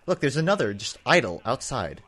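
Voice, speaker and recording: A man's voice: mid-range voice, very animated, fairly quick, a bit bright. A young man giving casual, rambling commentary over his game footage, full of sarcastic, self-mocking jokes. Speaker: gaming YouTuber.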